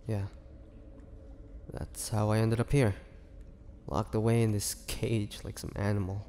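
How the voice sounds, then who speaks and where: A man playing a weary, bitter young half-vampire prisoner in a dramatic audio roleplay, speaking haltingly and sorrowfully. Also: lowish voice, level tone, mellow. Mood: haunted, pained. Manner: slow, halting, sorrowful delivery with sighs and pauses. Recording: long hall reverb, faint noise.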